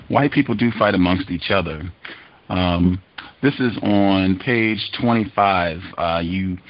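A male interview host with a very low voice asks pointed questions and cuts in bluntly. The sound is dull and lo-fi, like a streamed call. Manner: direct, interjecting, reads quotes aloud.

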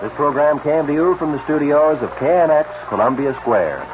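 A man in the manner of an old radio announcer, reading scripted copy with a very animated, swinging delivery. The recording is dull and lo-fi like vintage radio, with clear music behind him. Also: on the high side, normal speed.

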